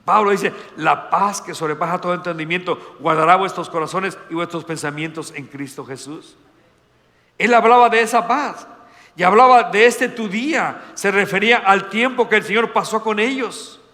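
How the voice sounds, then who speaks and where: A male pastor preaching a sermon, swinging between loud emphatic lines and hushed, slow ones. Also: high voice, big-room sound.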